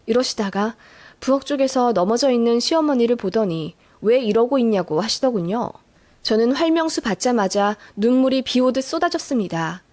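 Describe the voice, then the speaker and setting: High-voiced woman telling a drama story. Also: animated, moderate pace, darkish tone. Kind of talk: first-person radio-drama storytelling.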